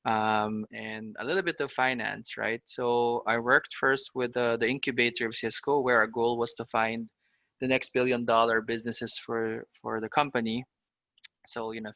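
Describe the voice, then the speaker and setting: Speaking as a guest in a casual podcast interview, a Filipino man who founded a fintech startup recounts his career cheerfully, rattling on at length with plenty of "uh" and "you know." His voice is medium in pitch, pushed and bright, and the audio is dull with no echo.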